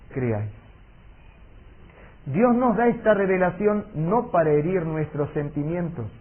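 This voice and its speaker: A man's voice: on the high side, breathy edge. Emphatic man teaching a Bible seminar. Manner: earnest, emphatic, slows for solemn warnings. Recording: tinny lo-fi audio recording.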